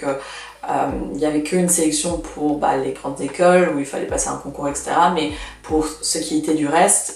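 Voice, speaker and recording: Twenty-something woman, chatty and blunt, echoey room, sounds a bit far from the mic. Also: deep voice. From Russia. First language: Russian. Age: 20s. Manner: chatty, frank, lots of fillers. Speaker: vlogger. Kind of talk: casual advice vlog.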